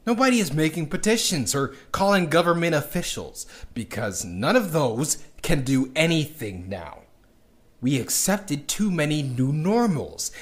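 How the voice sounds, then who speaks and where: A man playing a bitter, despairing character in an audio drama, ranting with sweary passion. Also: a little high. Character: bitter, despairing young man raging at a doomed world.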